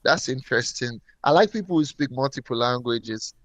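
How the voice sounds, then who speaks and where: A man's voice: medium pitch, lively intonation, moderate pace, a bit bright, no echo. A male radio host talks casually and often says a phrase twice in a row. His voice sounds dry and close, with no room around it. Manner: friendly, repeats himself, laughs often. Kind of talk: casual on-air chat.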